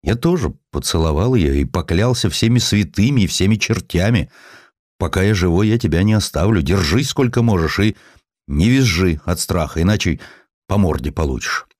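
A poor, worn-out former sailor , acted by a male reader, speaks in a deep voice with blunt, salty plainness. He is gruff and proud yet kind-hearted, and his pitch moves freely in a dry, close audio-story recording. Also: animated, moderate pace, a little mellow, dry recording. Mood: earnest storytelling.

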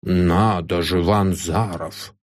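A man voicing a gruff, grey-haired old professor who lectures with indignation. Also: deep voice, steady tone, slow, pitched below the performer's own voice. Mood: scornful.

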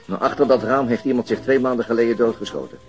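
An actor playing a dogged, frustrated police detective in a radio drama, insistent and questioning with some hesitation mid-sentence. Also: male voice, medium pitch, fast, darkish tone, faint music behind, natural voice. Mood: brooding. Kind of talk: Dutch radio drama acting, conversational.

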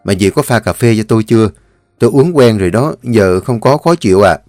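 A man voicing a smug young master of a rich house in an audio storybook, at a middle pitch. He talks in a casual, commanding way. The sound is dry with faint music underneath. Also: animated, fairly quick, darkish tone, no echo, natural voice.

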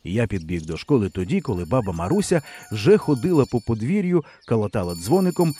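A man reading a first-person novel aloud with expressive storytelling. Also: mid-range voice, fairly quick, slightly rough, faint music behind. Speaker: audiobook reader. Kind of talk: audiobook narration.

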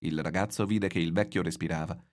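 A man reading a novel aloud in measured, expressive literary narration. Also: sits low.

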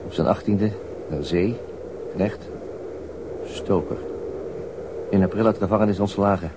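A man's voice: on the low side, measured pace, background noise, close to an everyday voice. An actor playing a stern, methodical male police interrogator in a radio crime drama, with clipped, formal and insistent questioning. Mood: dry, muttering.

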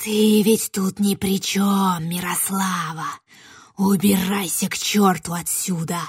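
A menacing witch voiced by a woman drawls her words slowly in a dry, rustling whisper, sometimes rising into a harsh shout. The voice is close and dry, with no room around it. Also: mid-range voice, fairly even intonation, slightly rough, no echo. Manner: slow, drawn-out, alternating whispers and shouts. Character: hissing yellow-eyed female witch, greedy, menacing.

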